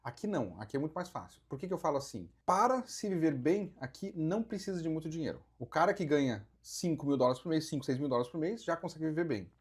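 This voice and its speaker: In a casual podcast conversation, a Brazilian man with a Brazilian Portuguese accent explains real estate investing as a guest, counting through figures and asking rhetorical questions. His voice is on the high side and expressive, with a breathy edge, and he talks fast with hardly any pauses.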